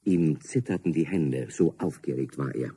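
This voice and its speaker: A man's voice: extremely low pitch, moderate pace, warm tone, slightly rough. A man narrating a children's radio play as a scripted story.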